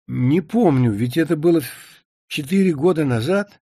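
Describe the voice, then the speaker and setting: A man's voice: a little high, lively intonation, normal speed, dark tone, husky, no echo, studio quality. A man reading as a flustered woman witness. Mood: evasive. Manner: hesitant, guilty short answers.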